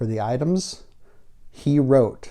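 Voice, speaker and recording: A man's relaxed voice with a dark, mellow tone. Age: 60s. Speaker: YouTuber reviewing horror film books. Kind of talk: casual book review show-and-tell. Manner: relaxed, conversational with fillers.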